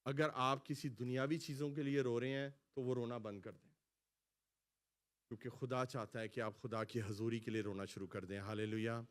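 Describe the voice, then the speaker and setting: A male pastor preaching a sermon in a church hall, calling out lines for the congregation to repeat and swinging between loud exclamations and quiet asides. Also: mid-range voice, steady tone. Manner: preaching, has the congregation repeat phrases after him. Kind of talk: sermon with call-and-response.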